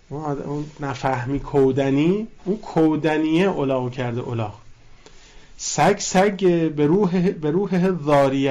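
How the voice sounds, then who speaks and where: A man's voice: medium pitch, darkish tone, dull audio. A man giving a colloquial religious lecture, teaching through repetition and quoted Arabic phrases. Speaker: cleric lecturing on a religious book.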